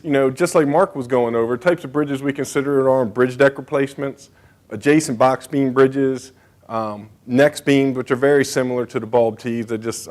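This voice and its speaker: A man's voice: medium pitch, a little mellow. A man giving a conference presentation as a state bridge engineer, speaking casually with frequent fillers and asides.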